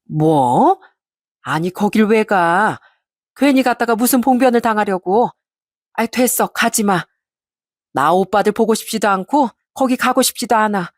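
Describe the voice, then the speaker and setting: A woman's voice: medium pitch, animated, a little slow, dry recording, studio quality. A woman voicing a blunt, reluctant middle-aged mother who complains in an audio story.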